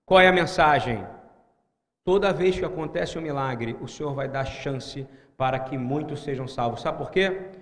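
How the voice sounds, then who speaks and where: A man with a high-pitched voice preaches a sermon in a large church hall. He is emphatic and keeps calling out questions to the congregation. A long reverb trails after his words. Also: moderate pace, fairly bright tone.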